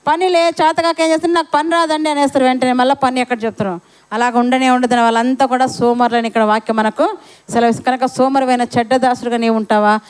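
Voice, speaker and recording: A woman's voice: high voice, fairly even intonation, fast, clean tone. A woman preaching a Sunday sermon at a church service, asking the congregation rhetorical questions and repeating key phrases for emphasis.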